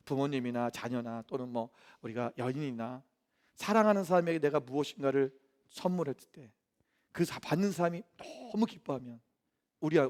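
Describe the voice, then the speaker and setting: Male pastor, very high voice, lively sermon, church, questions to the congregation. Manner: lively, asks the congregation questions and acts out quotes.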